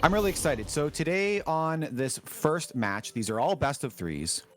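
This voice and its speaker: A man casting an esports tournament in a relaxed, chatty way, full of fillers. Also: fairly high pitch, moderate pace, soft background music. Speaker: esports caster.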